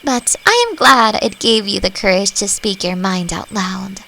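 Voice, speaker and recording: A woman playing a friendly, thoughtful forest elf in a roleplay audio drama, talking gently and reflectively to the listener. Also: medium pitch, lively intonation, unhurried, vocal fry, heavily acted. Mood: earnest. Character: friendly, thoughtful female forest elf, long-lived and curious. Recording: faint noise, nighttime forest insect ambience. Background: crickets and forest ambience.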